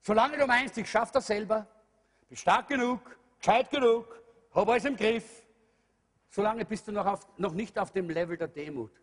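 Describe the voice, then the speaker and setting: A man preaching a sermon to a congregation, emphatic, rising to shouts and dropping low, addressing the listeners directly. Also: moderate pace. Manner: emphatic preaching, calls out to the congregation, swings loud and soft. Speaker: pastor. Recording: long hall reverb.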